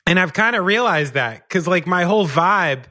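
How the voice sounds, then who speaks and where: A man's voice: high-pitched, expressive, normal speed, bright, forceful tone, no echo, studio quality. A man with a New Jersey accent hosting a casual podcast chat, blunt and pointed, swearing freely. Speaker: podcast host.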